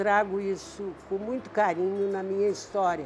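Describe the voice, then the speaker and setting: Music in the background behind a woman's medium-pitched voice. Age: 80s+. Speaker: retired educator. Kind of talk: interview.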